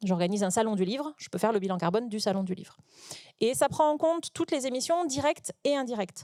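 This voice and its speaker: This woman talks at a very fast pace with a fairly high pitch and a dark, mellow tone. Her pitch swings very widely, and the sound is dry and close with no echo. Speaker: eco-advisor for the culture sector. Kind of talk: lecture.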